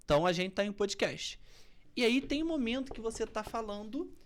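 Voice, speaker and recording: On a podcast interview, a Brazilian public speaking coach with a fairly high pitch speaks fairly quickly. She shows tone of voice through very expressive swings between loud, firm emphasis and soft, near-whispered phrases.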